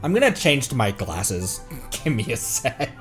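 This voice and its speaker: Animated male streamer, slow and halting. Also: mid-range voice, soft background music. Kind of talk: casual livestream commentary on a game.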